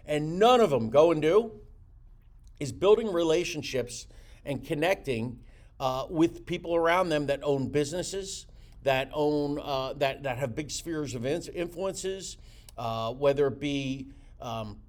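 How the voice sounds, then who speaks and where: An American man hosts a real estate coaching show, delivering motivational teaching with energy, repeated words and plenty of fillers. His voice is a little high, expressive and mellow, and slightly slow.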